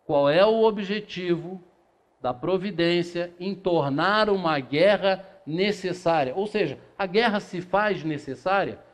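Middle-aged guy giving a spiritist talk, fairly high voice, asks questions then answers them, small room, camera a ways off. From Brazil. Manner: rhetorical questions answered himself, reading passages aloud, gesturing. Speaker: spiritist lecturer. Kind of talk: lecture to a seated audience. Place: small meeting room with a projector screen. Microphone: far camera, no handheld mic.

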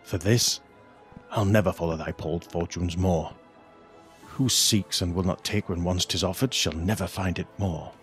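An actor playing a scheming, bitter pirate captain in a Shakespearean audio drama, speaking with deliberate insistence. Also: male voice, low voice, steady tone, faint music behind, lightly acted. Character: scheming, bitter pirate captain urging treachery on his lord.

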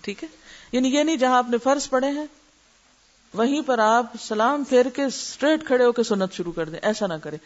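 A woman giving a religious lecture as a teacher, explaining terms and asking her listeners rhetorical questions. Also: a little high. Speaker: Islamic teacher. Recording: muffled lo-fi lecture recording.

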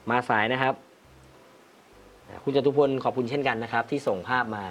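A man's voice: mid-range voice, fairly quick, slight background noise. A man hosting a casual photography-critique livestream, reading viewer comments aloud and laughing often. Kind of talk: casual live chat reviewing viewer photos.

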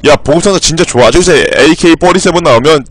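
A man streaming a zombie shooter, commenting live, muttering one moment and cursing loudly the next. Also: a little high, quick pace. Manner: excitable, swings between mutters and furious cursing shouts. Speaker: game streamer.

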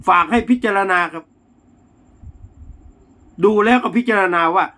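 A man's voice: high voice, a little slow, sharp tone. A man delivering an angry political monologue to his viewers, blunt and insulting, using coarse words between polite particles. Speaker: political commentator.

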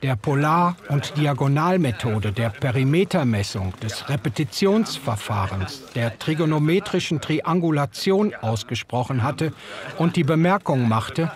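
A man narrating an audio drama in the first person, in a measured storytelling manner. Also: on the high side, lively intonation.

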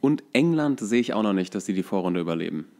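A man's voice: lowish voice, lively intonation, fast, mellow. A man chatting casually and jokingly as a podcast co-host. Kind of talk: casual chat.

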